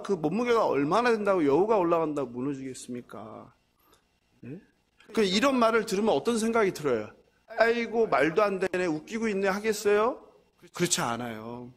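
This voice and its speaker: A male pastor preaching a sermon, asking the congregation questions and answering them himself, and sometimes acting out the mocking voices of the enemies in the passage. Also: a little high.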